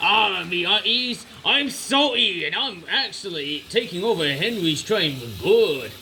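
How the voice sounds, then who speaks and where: A man puts on a gruff, growling character voice at a high pitch and a fairly slow pace. Clear background noise can be heard. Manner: salty, swashbuckling.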